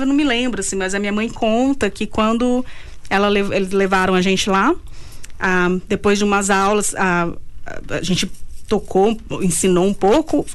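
A Brazilian woman, a singer-songwriter, chatting casually as an interview guest and telling stories with quick laughs between phrases. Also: mid-range voice.

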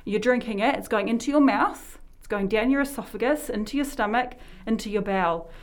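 A woman's voice: fairly high pitch, a little fast. A woman with a New Zealand accent who works in health promotion, hosting a casual radio chat and talking in a rambling way that often sidetracks itself. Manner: chatty, rambling, sidetracks herself. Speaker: health promotion worker and show host.

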